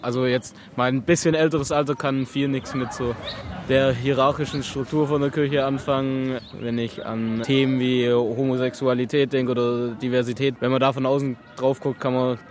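Guy about twenty, pretty monotone, thinks out loud in a park interview. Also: medium pitch, moderate pace, slight background noise. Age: 20s. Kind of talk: interview answers. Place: outdoors in a park.

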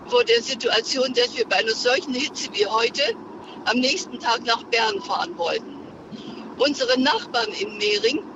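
An older woman calling a radio show from her car, telling a story earnestly with many hesitations. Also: a little high. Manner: earnest, searching for words with many fillers. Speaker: caller. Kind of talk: phone-in storytelling. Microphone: phone. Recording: muffled phone line with car noise.

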